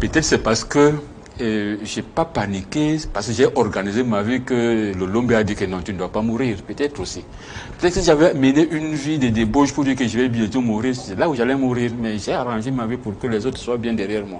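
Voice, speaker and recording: A man's medium-pitched voice at a fairly quick pace, ordinary pitch variation, audible room echo and noticeable background noise. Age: 60s. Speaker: politician. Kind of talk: interview.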